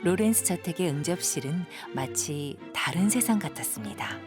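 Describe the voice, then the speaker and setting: A woman narrating an audio drama like a storyteller, gentle and measured, with breathy sentence endings. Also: lowish voice, expressive. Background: music.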